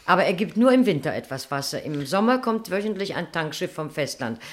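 An actress playing a proper, defensive household cook, formal and polite, in a German crime radio play. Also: female voice, on the low side, lively intonation, a little fast, close to an everyday voice. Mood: composed. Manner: polite, formal, hesitant when pressed. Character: defensive, proper English female cook under police questioning.

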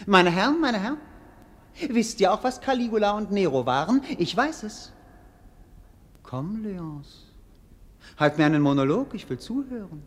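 An actor playing a melancholic, bored young prince in a German radio play, speaking in a declamatory, world-weary, poetic way. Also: male voice, fairly high pitch, close to an everyday voice. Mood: restless self-mockery.

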